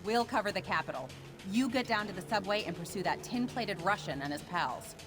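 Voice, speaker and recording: A woman playing a brisk, authoritative agency commander in a video game, giving crisp orders. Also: medium pitch, expressive, over music, close to an everyday voice. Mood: businesslike. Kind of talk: video game cutscene acting.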